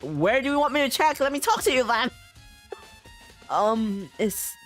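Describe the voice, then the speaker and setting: A man's voice: very high voice, very animated, a little slow, fairly bright tone, soft background music. A man streaming a story game, reading its text aloud and chatting with viewers with frequent giggles. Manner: giggly, chatty, reacting to chat.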